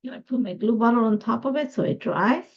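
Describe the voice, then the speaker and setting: A woman's voice: on the high side, lively intonation, brisk, muffled recording. Chatty Ecuadorian-born woman crafting live. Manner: chatty, thinking aloud while working. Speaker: craft host. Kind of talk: live scrapbooking tutorial.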